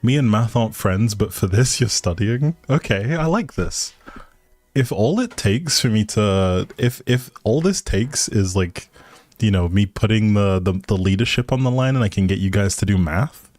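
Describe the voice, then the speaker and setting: A man with a fairly low voice, recorded dry and close. He chats casually as a livestream host, with playful, teasing banter aimed at his viewers. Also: lively intonation, normal speed, darkish tone, no echo, faint music behind.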